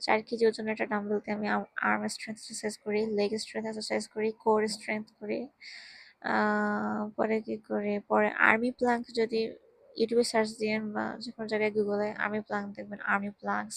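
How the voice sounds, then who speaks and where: Young woman whispering-soft into a handheld mic lying down, drowsy, raspy fry, dry sound. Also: mid-range voice, no echo, poor audio. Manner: hushed, speaking very softly. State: tired, drowsy. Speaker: vlogger. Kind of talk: casual health advice chat. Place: lying down at home. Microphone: handheld microphone.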